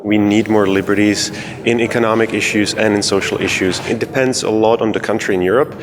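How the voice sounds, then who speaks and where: A young man answers interview questions in a low, steady voice. The recording has the clear hum of a crowd behind him. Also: fairly quick. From Czech Republic. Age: young adult. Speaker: student interviewee. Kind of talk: conference vox-pop interview.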